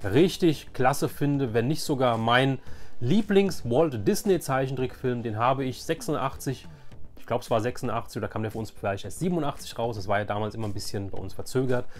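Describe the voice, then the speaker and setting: A man's voice: mid-range voice, a little fast. Nostalgic, rambling man with faint music behind. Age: 40s. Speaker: YouTube host. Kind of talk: casual nostalgic vlog chat about collecting.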